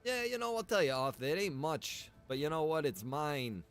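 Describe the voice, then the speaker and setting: A man's voice: fairly high pitch, very animated, normal speed, a bit bright, smooth, faint music behind. A man streaming a game, chatting casually and rambling as he thinks aloud. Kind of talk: casual livestream gameplay chat.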